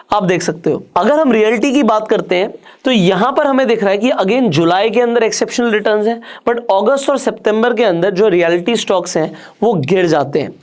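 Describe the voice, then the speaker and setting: A man, a stock market educator, giving an online trading tutorial, talking straight to the viewer and explaining step by step with rhetorical questions. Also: sits high. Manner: conversational, addresses the viewer directly.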